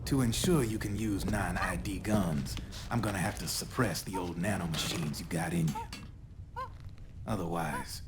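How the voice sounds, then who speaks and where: An actor playing a cocky, streetwise black-market arms dealer in a video game, with slangy, easygoing sales patter. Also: male voice, sits low, moderate pace, background noise, lightly acted. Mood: businesslike. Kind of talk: video game cutscene acting. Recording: background music under the voice.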